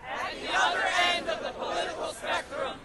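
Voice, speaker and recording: A crowd, mostly men, at an outdoor protest shouting back each phrase a speaker gives them. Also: male voice, very high-pitched, fairly even intonation, a little fast. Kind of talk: call and response, chanting each phrase back. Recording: loud crowd and street noise outdoors.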